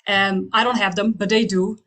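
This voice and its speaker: A woman with a Slovenian accent speaks at a middle pitch. She addresses an online audience with a personal testimonial. Her delivery is earnest and emphatic, building on repeated phrases. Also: steady tone, moderate pace, fairly bright tone. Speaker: hypnotherapist speaking at an open house.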